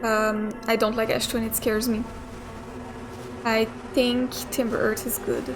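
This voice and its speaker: A young woman in a casual let's play speaks at a measured pace, her voice on the high side and her delivery flat, thinking aloud and swearing now and then. The recording is rough, with game music playing clearly in the background.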